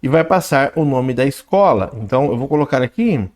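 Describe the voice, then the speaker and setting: Lively tutor explaining code. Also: male voice, medium pitch, fairly quick. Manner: talks while typing code, reads output aloud, frequent "né?" and "ok?". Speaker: programming instructor. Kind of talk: screen-recorded coding tutorial.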